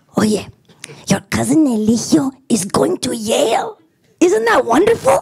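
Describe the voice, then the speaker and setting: At a moderate pace, a female-sounding voice does a put-on character voice pitched high. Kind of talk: stand-up comedy bit. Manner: excited.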